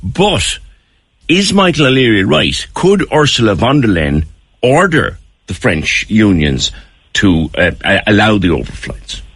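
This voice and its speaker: A man's voice: on the low side, very animated, unhurried, a bit bright, husky, no echo, clean studio sound. An Irish man hosting a radio interview, putting questions in a direct, colloquial, pressing way. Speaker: radio host.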